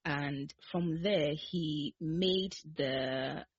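Breathy woman co-host, dry sound. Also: sits low, extremely slow, no echo. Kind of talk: brief wrap-up report. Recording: dry, slightly muffled broadcast audio.

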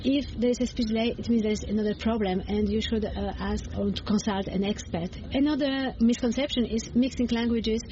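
A woman's voice: a little high, steady tone, a little fast, hardly any pauses. A native Polish woman with a Polish accent, explaining things as an interview guest and hesitantly searching for words. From Poland. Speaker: interview guest, bilingual education coach. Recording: dull sound with faint background noise.

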